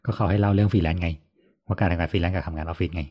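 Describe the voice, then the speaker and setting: A man's voice: low-pitched, steady tone, racing, dull audio. A man co-hosting a podcast in casual chat, making dry, teasing asides. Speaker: podcast co-host. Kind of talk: casual chat among friends.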